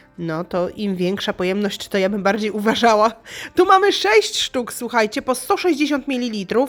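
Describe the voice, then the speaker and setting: A woman with a fairly high pitch speaks at a fairly slow pace, her tone animated and her intonation lively. Music plays in the background. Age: 30s. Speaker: YouTuber, shopping vlogger. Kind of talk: store haul review vlog. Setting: in a store.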